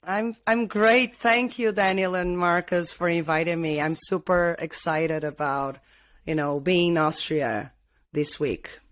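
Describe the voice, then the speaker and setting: A woman's voice: lowish voice, unhurried, no room sound. A middle-aged woman from Portugal, a guest talking casually in an interview, often restarting her sentences. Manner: hesitant, many restarts and fillers. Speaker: guest, angel investor.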